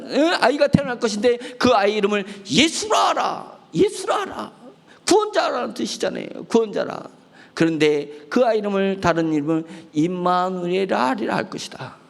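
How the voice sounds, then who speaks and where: A man's voice: extremely high pitch, creaky, in a large hall. A man pastor preaching a sermon, asking questions and acting out pleading prayers. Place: church sanctuary.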